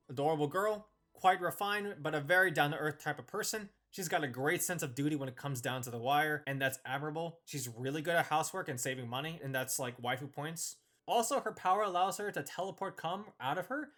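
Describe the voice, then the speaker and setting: A man's voice: fairly high pitch, a bit bright. A man hosting a casual ranked-list review, giving opinionated commentary on characters.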